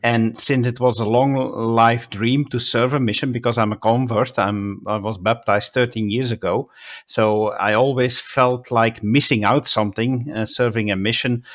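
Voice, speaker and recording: This is a Flemish man in his fifties, a native Dutch speaker, answering questions in a friendly podcast chat. His voice sits at an ordinary middle pitch. His English is careful and halting, and he leans on frequent "uh" fillers as he builds each sentence. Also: steady tone. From Belgium (Flanders). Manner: measured, many "uh" pauses while finding words. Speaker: guest, bishop. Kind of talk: casual interview conversation.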